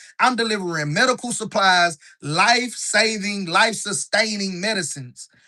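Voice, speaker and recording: Raised and projected, the voice has a bright, sharp, animated tone with an American accent, a moderate pace and ordinary pitch variation. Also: man, high pitch for a man. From US South. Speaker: business coach. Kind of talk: live stream business talk. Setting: home kitchen live stream.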